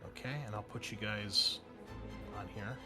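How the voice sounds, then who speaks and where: A man's voice: fairly low pitch, fairly even intonation, measured pace, sharp tone. Man running a tabletop game over music. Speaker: game master. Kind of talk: narrating a tabletop game, casual.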